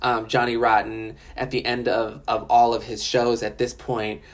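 A woman's voice: rumbling low, level tone, normal speed. A woman in Los Angeles giving a casual, chatty spoken review of a documentary, frank and often profane, with lots of fillers.

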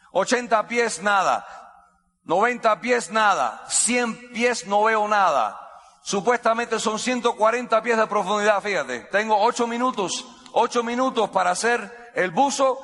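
Bright high-voiced man, echoey hall. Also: unhurried. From United States. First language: English. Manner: repeats key phrases, vivid gestures, builds suspense. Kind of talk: dramatic storytelling speech.

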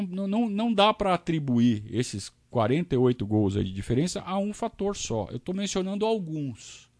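A Brazilian man hosting a casual live stream, talking to his audience in an animated, ranting way. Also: high voice. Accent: Brazilian Portuguese. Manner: animated, talks to the audience, rants and self-questions. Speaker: podcast host reading superchats. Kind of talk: casual live-stream chat about football.

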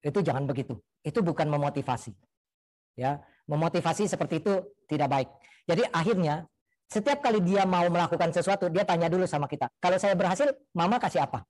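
Lively quick-talking priest. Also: male voice, on the high side, poor audio. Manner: lively, acts out parents and children in quoted voices. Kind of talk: homily on parenting.

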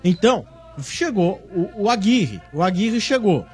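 A man, a regular panelist on a football talk show, arguing in an animated, emphatic way. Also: high voice, measured pace, faint music behind. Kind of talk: casual sports debate.

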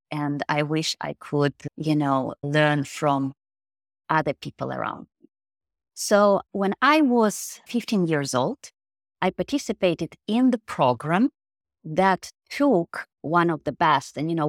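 A woman in her thirties with a Ukrainian accent speaks in a very low voice. She talks thoughtfully and casually, often pausing on "you know." The sound is dry and close. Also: no room sound. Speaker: podcast guest, mindfulness coach. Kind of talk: casual interview talk.

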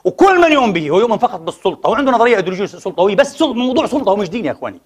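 A man's voice: high-pitched, big pitch swings, very fast, slightly rough. A Palestinian man preaching a Friday sermon in a mosque, impassioned and mixing colloquial speech with formal phrasing.

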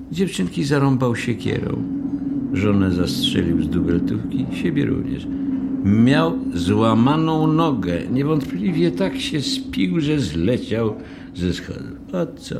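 An actor playing a stiff, condescending hotel manager with formal, measured speech in an audio drama. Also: male voice, mid-range voice, sing-song, vocal fry, background noise, full character voice. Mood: stiff, grim. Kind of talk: audiobook radio play acting.

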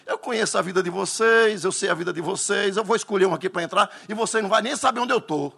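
A man's voice: high voice, fast talker, vocal fry, a bit bright, breathy edge, full character voice. A Northeastern Brazilian preacher voicing a boastful, defiant male demon in a sermon story. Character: bold taunting male demon.

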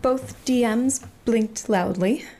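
A woman's voice: on the high side, takes it slowly, mellow. A woman narrating as a game master in a wry, formal storytelling style. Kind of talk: wry scripted-sounding narration.

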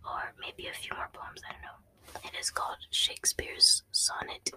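A woman hosting an ASMR channel, reading poems in a soft, unhurried whisper and occasionally stumbling over words.

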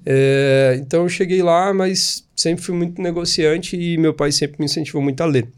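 Speaking at a moderate pace with a clean, slightly high voice, a Brazilian man in his thirties from Espírito Santo guests on a podcast. He recounts his life casually and with lots of energy, chatting freely and often ending lines with tag questions, in a relaxed storytelling interview. His accent is Brazilian Portuguese.

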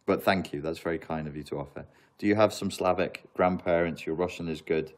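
Deep-voiced joking man. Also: steady tone, brisk. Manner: rambling, joking, self-mocking. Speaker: livestream host answering viewer questions. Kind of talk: casual live Q&A chat.

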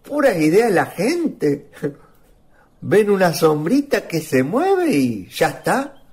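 A woman acting a plain-spoken, skeptical Chilean countryman in a radio play, with a husky voice. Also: on the low side, big pitch swings, takes it slowly, a little mellow, heavily acted. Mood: dismissive, amused.

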